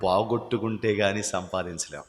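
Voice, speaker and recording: A male pastor with a Telugu accent, preaching a sermon and calling out questions to his congregation, pressing them to answer loudly. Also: on the low side, moderate pace, slight background noise. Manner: calls out questions to the congregation, urging loud answers. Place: church hall. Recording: echoey hall with long reverb.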